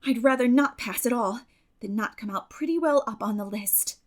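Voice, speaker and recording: An earnest teenage girl from a storybook, acted out by a woman narrator. Her voice sits high and pushes forward emphatically. She is talkative and dramatic, gushing out her feelings with great expression. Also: moderate pace, lightly acted. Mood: fretful.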